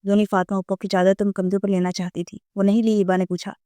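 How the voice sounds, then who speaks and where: A woman narrator reading a romance novel aloud in steady, even storytelling. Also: medium pitch, fast, no room sound.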